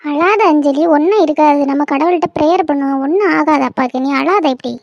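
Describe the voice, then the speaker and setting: A woman's voice: sits high, fast, a little mellow. A woman voicing a caring mother in a cartoon, speaking in a soothing, reassuring way. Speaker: voice actor for mother and other female figures. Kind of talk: cartoon voice acting. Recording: dull lo-fi sound.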